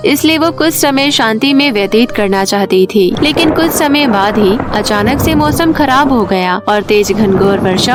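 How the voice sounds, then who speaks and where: High-pitched woman narrating a children's story.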